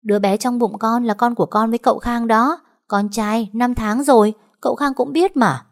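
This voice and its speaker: A woman's voice: fairly high pitch, pitched above the performer's own voice, lightly acted. Woman doing a brazen young servant girl. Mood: defiant. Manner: pert, unhurried, cheeky. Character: young female servant, pregnant, brazen and defiant.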